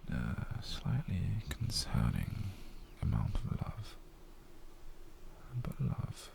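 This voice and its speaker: A man's voice: deep voice, sing-song, drawn-out words, gravelly, a little mellow, slight background noise, heavily acted. A man with a British accent playing a doting, possessive, menacingly sweet boyfriend in a whispered, coaxing ASMR roleplay. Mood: tender, clingy. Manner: coaxing, teasing, theatrical.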